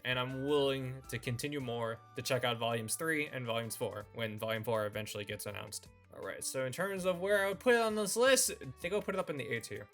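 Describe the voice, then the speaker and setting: A man's voice: mid-range voice, bright, forceful tone. A man presenting semi-scripted review commentary as the host of a video channel. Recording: voice-over with music behind.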